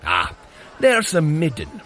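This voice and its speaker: A man's voice: a little high, huge pitch swings, slow pace, very noisy, exaggerated voice. A man acting in an audio drama as a blustering, exasperated warrior thunder god, declamatory, indignant and plain-minded. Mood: suspicious, exasperated.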